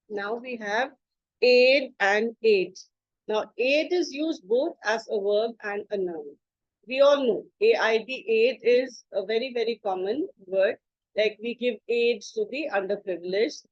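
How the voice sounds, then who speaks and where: A woman teacher giving a slide presentation on English words, explaining slowly, spelling words out and pausing on fillers. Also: on the high side, dry recording, lo-fi sound.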